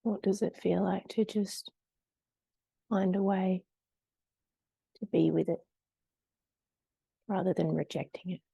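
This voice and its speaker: Soft, very mellow woman guiding meditation. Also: mid-range voice, steady tone, creaky, breathy edge, no echo. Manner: gentle, unhurried, soothing delivery with long pauses. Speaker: meditation guide. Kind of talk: guided meditation.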